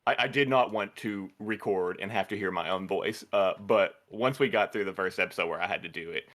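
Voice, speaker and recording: A man with a fairly deep but bright, forward voice talks as part of a podcast crew. He speaks casually and conversationally. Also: a little fast. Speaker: podcast cast member and composer. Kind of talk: casual panel chat.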